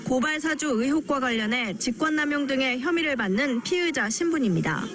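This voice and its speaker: High-pitched woman news reporter.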